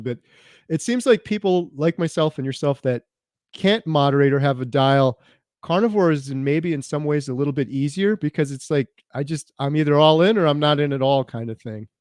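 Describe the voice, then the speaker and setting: Easygoing male interview host, slightly high voice. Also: darkish tone, dry recording, clean studio sound. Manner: easygoing, rambling questions that build on the guest's answers. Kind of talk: casual interview conversation.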